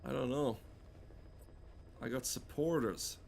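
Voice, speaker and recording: A man giving rambling, sweary comedic game commentary in a halting, deadpan way. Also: mid-range voice, vocal fry, slight background noise. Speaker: gameplay streamer.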